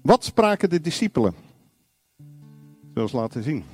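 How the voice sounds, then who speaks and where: A man preaching a sermon, blunt and confrontational, acting out little dialogues and shouting single words. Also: fairly high pitch, big pitch swings, moderate pace, husky, faint music behind.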